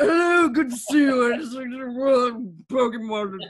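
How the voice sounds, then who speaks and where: A put-on character voice in a British accent. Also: man, extremely high pitch for a man, fairly slow pace. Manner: slurred, drunk.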